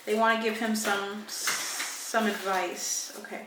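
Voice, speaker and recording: Woman tarot reader, halting musing delivery, roomy sound with light background hiss. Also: medium pitch, little pitch movement, recorded from a distance. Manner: musing, halting, reads card meanings aloud. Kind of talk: spiritual tarot reading.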